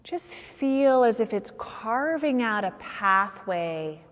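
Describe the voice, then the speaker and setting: Slow-speaking woman guiding meditation, long reverb. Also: on the high side, lively intonation, fairly bright tone. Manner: soothing, unhurried, with long pauses. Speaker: yoga nidra meditation teacher. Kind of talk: guided meditation. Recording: long reverberant hall-like echo.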